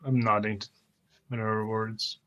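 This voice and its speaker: A low-pitched man with a bright, crisp-edged tone plays a tabletop game. He states his character's actions briefly and politely, with little rise or fall. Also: little pitch movement, measured pace, muffled recording.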